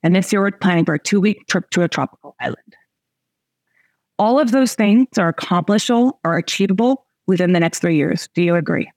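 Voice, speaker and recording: Her voice is lowish and darkish, animated and brisk, recorded without echo. She's a woman in her forties hosting a motivational coaching talk, chatting emphatically, laughing often and addressing the audience head-on.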